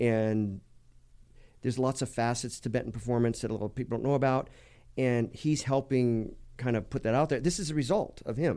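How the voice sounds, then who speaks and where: A man with a Californian accent talks at a fairly quick pace and medium pitch, his dark, mellow tone showing ordinary pitch variation. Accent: Californian American. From Los Angeles area (South Gate). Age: 50s. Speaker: car performance shop owner. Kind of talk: casual chat. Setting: studio.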